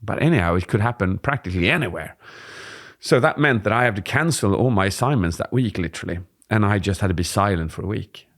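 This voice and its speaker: A deep-voiced man with a gravelly edge talks through a presentation tip for a podcast. He explains things steadily and unhurriedly, stretching some words. He speaks into a studio microphone in a dim room. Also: lively intonation, quick pace, fairly bright tone. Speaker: podcast co-host, presentation coach. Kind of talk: casual podcast chat. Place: dim studio with warm lamps. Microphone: studio mic on boom arm.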